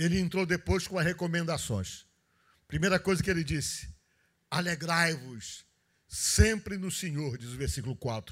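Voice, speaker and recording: A man's high-pitched voice at a moderate pace on a very clean recording with a silent background. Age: 60s. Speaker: pastor. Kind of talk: sermon.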